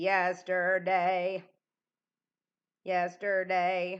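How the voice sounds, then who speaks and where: Using a put-on character voice, a woman speaks at a medium pitch with monotone, flat intonation. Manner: monotone, mechanical, word-by-word.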